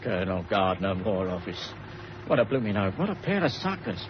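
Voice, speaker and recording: A man's voice: lowish voice, big pitch swings, fairly quick. An actor playing a sly male crook posing as a cab driver, gloating in coarse, working-class slang. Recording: dull old radio recording with clear hiss.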